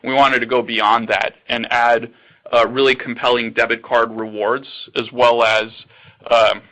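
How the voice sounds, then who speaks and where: A man's voice: medium pitch, little pitch movement, measured pace, pushed and bright, poor audio. A man speaking as a company executive on an earnings call, confident and promotional. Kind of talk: answering questions on an earnings call.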